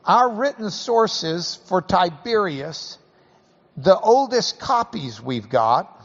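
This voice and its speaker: A man with a Texan accent hosts a live interview before a class, folksy and joking as he slows things down to explain. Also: high voice, big pitch swings. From Texas. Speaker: host. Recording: dull audio with long hall reverb.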